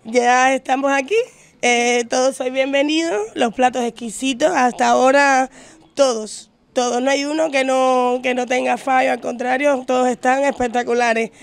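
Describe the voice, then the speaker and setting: Woman restaurant manager, high and kinda gravelly, warm and enthusiastic. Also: fairly even intonation, normal speed. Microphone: handheld reporter mic.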